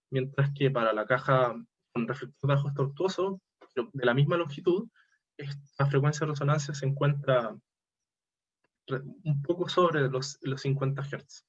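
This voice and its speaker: A man presents technical material as an academic speaker. His voice sits at a medium pitch, and his delivery is hesitant, with frequent self-corrections. The recording is dull and lo-fi. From Chile. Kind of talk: technical conference presentation over slides.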